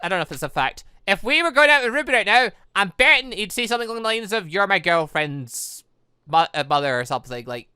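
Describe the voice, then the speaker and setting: Animated, bright-voiced gaming commentator. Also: mid-range voice, racing, hardly any pauses, smooth, dry recording, clean studio sound. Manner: rambling, animated, exclaiming. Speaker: video game let's player. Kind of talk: excited gameplay commentary mixed with reading dialogue aloud.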